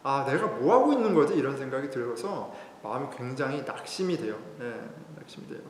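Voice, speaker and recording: A man's voice: mid-range voice, sing-song, fairly quick, slight background noise. A male pastor preaching a sermon in a conversational way, telling a personal story. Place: church sanctuary. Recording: echoey hall reverb.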